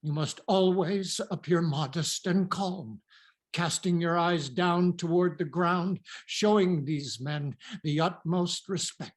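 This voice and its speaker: Slow, solemn, cautioning father. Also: a little high. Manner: measured, solemn, instructive. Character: cautious, commanding elderly father leading refugee daughters. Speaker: actor. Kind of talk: dramatic reading of Greek tragedy.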